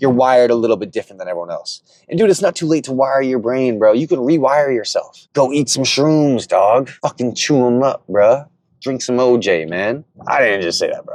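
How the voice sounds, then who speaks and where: Talking fairly quickly, a man with an American accent has an animated tone and lively intonation. His pitch is medium. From US, Washington state. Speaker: crypto YouTuber. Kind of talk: casual vlog monologue.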